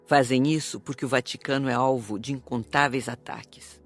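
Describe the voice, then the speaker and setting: A man reads scripted audiobook narration in an explanatory, even-handed manner. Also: medium pitch, moderate pace, faint music behind.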